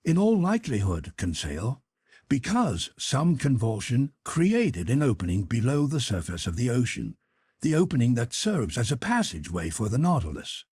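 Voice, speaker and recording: A man's voice: medium pitch, wildly swooping pitch, normal speed, a little mellow, husky, no room sound, clean studio sound, heavily acted. A man voicing a learned professor in an audiobook, articulate and didactic, explaining things with relish. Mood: explanatory.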